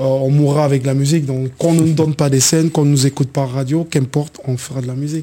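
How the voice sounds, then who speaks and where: Very fast and somewhat breathy, a man speaks in a fairly high pitch with a dark, mellow tone and monotone, flat intonation. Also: hardly any pauses. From Cameroon. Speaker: rapper and pastor. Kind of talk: casual chat.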